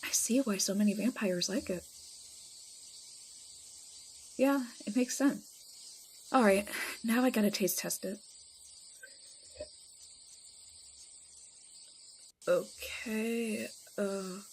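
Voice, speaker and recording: A woman's voice: medium pitch, measured pace, a little hiss or hum, close to an everyday voice. A woman playing a chatty, teasing, affectionate vampire friend in a casual roleplay audio drama. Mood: gushing, playful, then disgusted.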